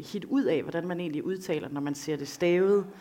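A woman's voice sits at a fairly low pitch. Audible room echo surrounds it. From Denmark, West Jutland. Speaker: musician. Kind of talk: casual chat. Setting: stage with audience.

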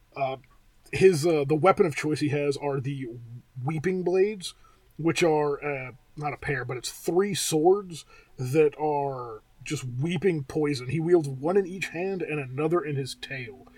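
At a fairly slow pace, a man with a fairly high pitch sounds somewhat breathy and shows ordinary pitch variation. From US South, Georgia. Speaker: podcast host. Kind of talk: casual chat about tabletop gaming lore.

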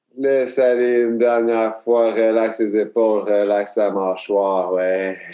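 Noticeable background noise sits behind a man who speaks at a fairly slow pace and medium pitch, his loudness very even throughout. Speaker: kinesiologist and speaker. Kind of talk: interview conversation; guided breathing exercise. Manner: animated.

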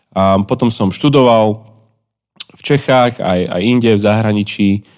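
A man talks at a fairly slow pace and fairly low pitch, with ordinary pitch variation, in a normal speaking voice. The recording is very clean, with a silent background. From Slovakia, Levice. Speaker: pastor and physician. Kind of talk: casual chat. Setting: church prayer room.

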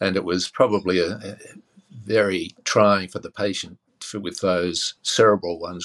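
In an Australian accent, a man with a fairly low pitch speaks at a fairly slow pace, the sound dry and close with no echo. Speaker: retired radiology professor. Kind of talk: casual interview.

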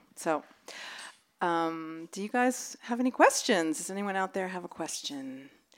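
Speaking slowly but not too slowly, a woman with an American accent and an unremarkable speaking voice uses medium pitch, lively intonation and big swings in loudness on a very clean recording with a silent background. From US Northeast, New York suburbs. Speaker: book editor and event moderator. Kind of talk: live event introductions and moderated Q&A. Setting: bookstore stage with audience.

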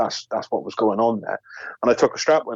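Here a man talks at a medium pitch. He has a Welsh accent. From South Wales. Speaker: strap maker, business owner. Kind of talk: interview, casual chat.

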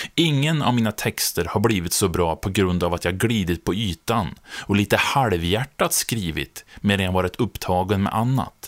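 With a plain, everyday voice, a man speaks at a fairly low pitch and fairly slow pace, using ordinary pitch variation in a dry, close sound with no echo. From rural Sweden. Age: 30s. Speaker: writer and podcaster. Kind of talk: scripted narration.

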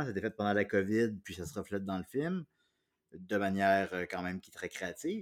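A man with a Quebec accent talks at a fairly quick pace. His pitch is fairly low, and the recording is very clean with a silent background. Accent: Québécois French. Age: 40s. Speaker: comedian and podcaster. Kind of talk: casual chat.

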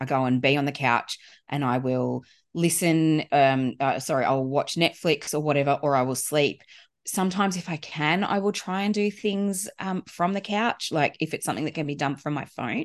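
In a quiet background, a woman speaks with a very deep, low pitch. Her intonation is lively and her pace moderate. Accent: Australian. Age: 30s. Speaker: time management coach. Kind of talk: podcast interview.

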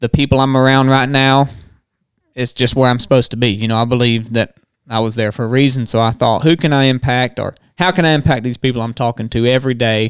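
Delivered at a very fast pace, the speech has a Southern US accent and fairly even intonation. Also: man, medium pitch for a man. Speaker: former police officer. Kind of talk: casual chat. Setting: studio.

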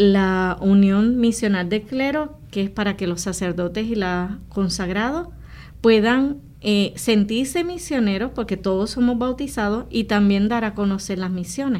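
Speaking fairly slowly, a woman uses a medium pitch with ordinary pitch variation. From Puerto Rico. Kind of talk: interview conversation.

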